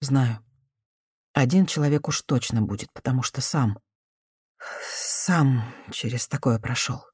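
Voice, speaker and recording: A woman reading an audiobook voices a gentle, cautious woman speaking softly and trying to calm someone down. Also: a bass voice, measured pace, breathy edge, dry recording, studio quality, full character voice. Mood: remorseful. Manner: soft, conciliatory, hushed.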